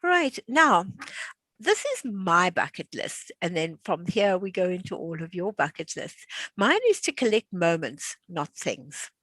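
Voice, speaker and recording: Chatty woman in her sixties, low voice. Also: very animated, unhurried, no room sound. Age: 60s. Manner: warm, chatty, laughs easily. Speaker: class host. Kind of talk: casual hosted chat.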